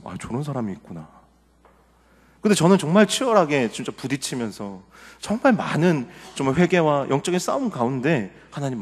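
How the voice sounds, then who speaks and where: Impassioned man preaching in echoing hall. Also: mid-range voice. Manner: impassioned, swinging from loud pleas to hushed murmurs. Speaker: pastor. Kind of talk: sermon. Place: church sanctuary. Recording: long hall reverb.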